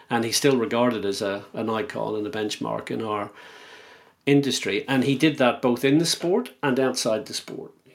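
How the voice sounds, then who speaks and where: With a Northern Irish accent, a man talks at a medium pitch and a moderate pace. There is vocal fry, and the pitch variation is ordinary. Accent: Northern Irish (Belfast). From Northern Ireland, Belfast. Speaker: motorsport executive and conference speaker. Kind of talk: interview conversation.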